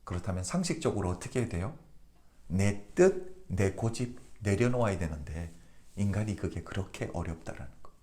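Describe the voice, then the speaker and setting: A man's voice: deep voice, expressive, moderate pace, warm tone. A male pastor from Korea giving a daily devotional sermon, asking the congregation questions and answering them himself.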